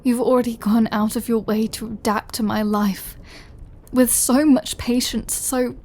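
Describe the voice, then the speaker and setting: A woman playing a remorseful, lovesick female vampire in an intimate audio roleplay, speaking in a hesitant, confessional way that often softens toward a whisper. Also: a little high, fairly even intonation. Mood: contrite, halting. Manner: hesitant, halting, confessional, with soft breathy drops. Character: remorseful, lovesick female vampire craving her lover's blood.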